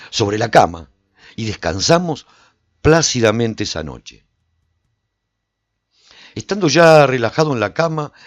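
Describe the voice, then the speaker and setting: A man playing a proud lone warrior who recounts his adventures in a theatrical, expressive first-person radio drama style. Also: fairly low pitch, no echo, dull audio. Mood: reflective. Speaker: narrator and lead actor of a radio serial.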